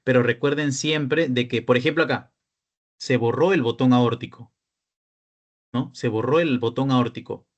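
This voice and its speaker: A young man with a Peruvian Spanish accent speaks at a medium pitch and moderate pace, with the high frequencies cut off. He's a peer tutor lecturing an online class, walking through things step by step and checking in with students often.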